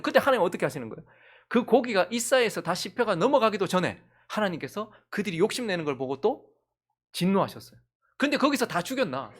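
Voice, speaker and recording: A woman's voice: medium pitch, husky. A woman pastor with a Gyeongsang accent preaching a sermon, asking the congregation one rhetorical question after another. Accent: Gyeongsang Korean.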